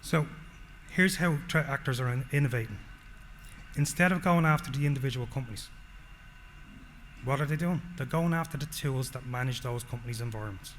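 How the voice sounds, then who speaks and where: A man's voice: mid-range voice, brisk, a bit bright. An Irish man giving a technical presentation, explaining step by step and often checking in with the audience. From Ireland. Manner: explanatory, frequent "okay?" check-ins. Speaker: solutions engineer presenting. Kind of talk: conference presentation. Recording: long hall reverb, faint noise.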